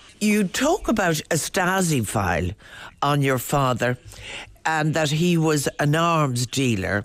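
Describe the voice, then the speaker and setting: Very slow speech in an Irish accent, with very wide pitch swings and very even loudness. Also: woman, very deep, low pitch for a woman, very clean recording, silent background. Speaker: radio host. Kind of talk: radio interview.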